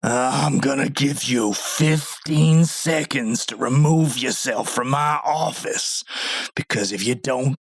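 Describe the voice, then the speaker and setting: Stern, threatening boss. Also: male voice, medium pitch, slightly rough, no room sound. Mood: controlled anger. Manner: stern, deliberate. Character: threatening hard-nosed male boss, controlled anger. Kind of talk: animation character acting.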